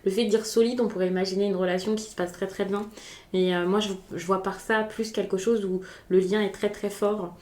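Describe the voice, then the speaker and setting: A woman's voice: mid-range voice, fairly even intonation, fairly quick, darkish tone, reverberant. A woman giving a spontaneous, chatty tarot reading, with many hesitations and restarts. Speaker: tarot reader.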